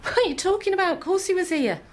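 An actress playing a defensive, hard-tempered middle-aged mother in a TV drama, with a sharp, scolding manner. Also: very high-pitched, expressive, fast, slight background noise. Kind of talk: naturalistic TV drama acting.

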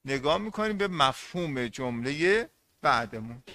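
A man's voice: fairly high pitch, animated, pushed and bright. A man teaching English grammar in an online class, speaking on English words, often repeating points and asking the class questions.

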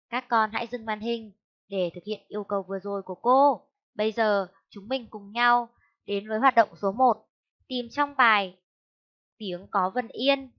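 A woman teacher giving a reading lesson to young children, pronouncing each word slowly and deliberately. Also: fairly high pitch, lo-fi sound. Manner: slow, deliberate enunciation, spelling out words for children. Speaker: primary school teacher.

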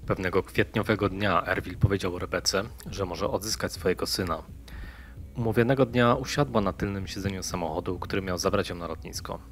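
A man reading a scripted true-crime story in a measured storytelling manner. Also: low-pitched. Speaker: narrator of a true-crime channel.

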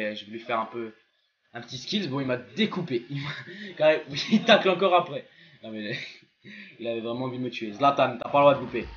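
A young man gives casual, excited commentary on a football video game, slangy and prone to swearing and exclaiming at plays. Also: medium pitch, slight background noise. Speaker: gaming video creator playing a football game. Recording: dull lo-fi voice track with music behind.

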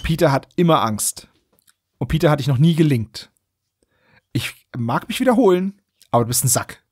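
A man's voice: a little high, expressive, normal speed, darkish tone, breathy edge, no echo, studio quality. A man hosting a podcast, recapping a story in casual, colloquial chat with mock-indignant asides. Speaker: podcast host. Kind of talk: casual chat, recapping and commenting on an audio drama.

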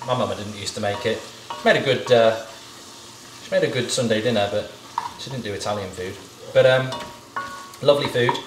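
A man's voice: lowish voice, recorded from a distance, background noise. Joking man cooking in echoey kitchen. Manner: jokey, rambling asides while cooking. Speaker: cooking show host. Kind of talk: casual cooking chat. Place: home kitchen, indoors. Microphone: camera mic at a distance. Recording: echoey kitchen, mic set back.

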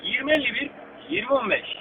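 A man's voice: very high voice, fairly quick. A man working as a radio dispatcher over a walkie-talkie, calling out unit codes and giving terse, urgent orders. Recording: tinny radio with static.

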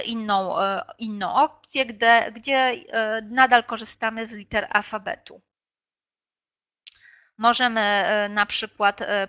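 A woman's voice: mid-range voice, pushed and bright. A woman presenting an online teacher workshop, explaining classroom games with frequent hesitations and filler sounds. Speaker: teacher trainer. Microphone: video call. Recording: dull lo-fi online call audio.

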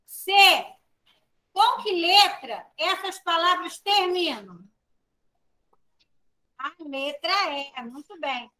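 A Brazilian woman teaching a children's video lesson in a high, bright voice. She talks slowly and patiently and spells out syllables letter by letter. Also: poor audio. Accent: Brazilian Portuguese.

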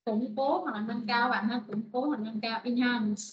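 Lady teacher, higher voice, repeats words slow, kinda muffled lo-fi call audio. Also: steady tone. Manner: repeats words slowly, explains in short phrases. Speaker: English teacher. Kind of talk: online vocabulary lesson.

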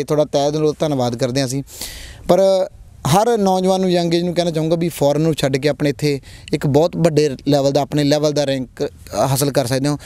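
Young Punjabi farmer, earnest, rapid repetitive delivery, handheld mic outdoors. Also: male voice, a little high, mellow, no room sound. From Punjab, India. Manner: earnest, repeats phrases, rallying young people. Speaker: prize-winning dairy farmer. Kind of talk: on-camera interview. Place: outdoor dairy farm. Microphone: handheld mic held by interviewer.

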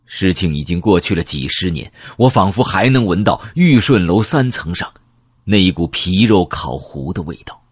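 A man's voice: sits low, expressive, moderate pace, husky, no room sound, studio quality. A man narrating a novel as an audiobook in a dramatic storytelling manner, dropping to a whisper for grim details.

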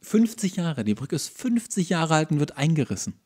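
A man's voice: a little high, very animated, normal speed, a little mellow, husky. A man with a German accent co-hosting a podcast in casual comedic chat, with a dry, ironic way of talking. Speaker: podcast co-host.

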